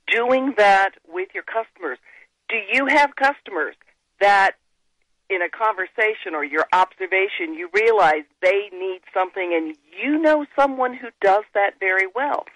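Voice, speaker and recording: A woman guest on a radio show who explains business ideas earnestly, pausing and restarting her sentences. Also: lowish voice, fairly bright tone, no room sound, low-quality recording. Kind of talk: casual radio interview.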